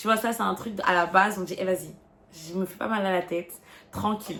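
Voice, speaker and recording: Against noticeable background noise, a woman speaks in an animated tone at a moderate pace with ordinary pitch variation. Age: 20s. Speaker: YouTuber giving life advice. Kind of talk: vlog talk to camera.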